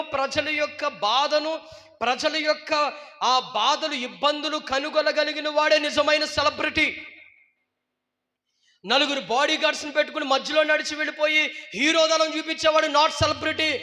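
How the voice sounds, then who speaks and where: High-pitched, emphatic preaching pastor. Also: male voice, bright, forceful tone. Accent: Telugu. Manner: emphatic preaching, questioning the congregation. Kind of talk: sermon. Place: church hall. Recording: long hall reverb.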